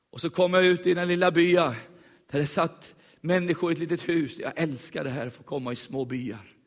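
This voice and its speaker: A man preaching, telling a lively story and acting out the voices of the people in it. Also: on the high side, big-room sound. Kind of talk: sermon storytelling.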